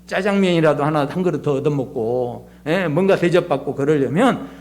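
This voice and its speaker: A man's voice: fairly high pitch, animated, normal speed, darkish tone, a little hiss or hum. A pastor preaching a sermon to a seated congregation in a church. He talks conversationally, asks the listeners rhetorical questions and acts out everyday speakers with changed voices.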